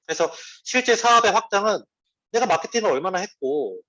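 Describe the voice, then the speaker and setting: Lively man giving a business talk. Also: high voice, a little fast, poor audio. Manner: conversational, lively, personal asides. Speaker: network marketing team leader.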